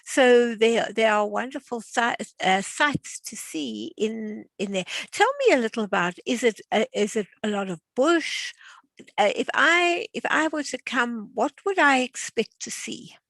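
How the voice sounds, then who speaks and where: A woman from South Africa hosting a casual class chat, asking questions in a halting, inquisitive way. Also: a little high, a bit bright, dry recording. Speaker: class host.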